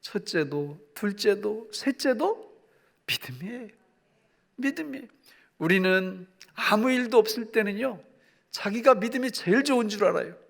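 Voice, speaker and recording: A middle-aged male pastor preaching a sermon, swinging from hushed, pleading passages to loud, excited preaching, and acting out prayers in quoted voices. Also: sits high, moderate pace, vocal fry. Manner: acts out prayers and God's questions in quoted voices.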